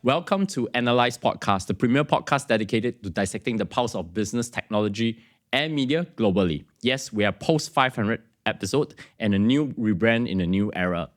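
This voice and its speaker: A man with a deep voice hosts a business podcast. He introduces his guest and asks questions at a steady, measured pace. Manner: measured, with brief acknowledgements. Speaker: podcast host. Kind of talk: podcast interviewing.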